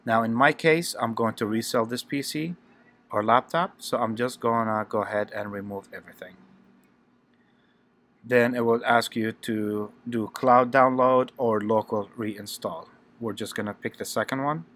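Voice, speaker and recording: A man's voice: mid-range voice, fairly even intonation, normal speed, fairly bright tone. A man hosting a tech tutorial channel, talking through each step plainly and repeating his instructions.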